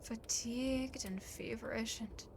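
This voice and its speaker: A woman voicing a lonely, possessive female demon in an ASMR roleplay, softly, often whispering, with teasing, smug condescension, on an amateur home mic. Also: a little high, a little slow, vocal fry. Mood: condescending. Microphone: close home microphone, not binaural. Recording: noisy amateur home microphone recording.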